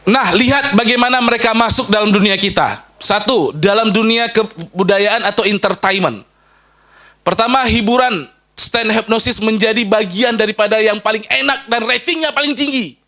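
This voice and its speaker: A man giving a lively, joking sermon-lecture to a live audience as an Islamic preacher, his voice leaping up and falling low. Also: moderate pace. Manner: animated, joking with the audience, rising and dropping sharply.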